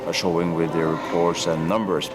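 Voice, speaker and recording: A Norwegian-accented man in his forties, an expedition sailor, explaining things earnestly and in a measured way in a documentary interview. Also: deep voice, little pitch movement. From Norway. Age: 40s. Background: music.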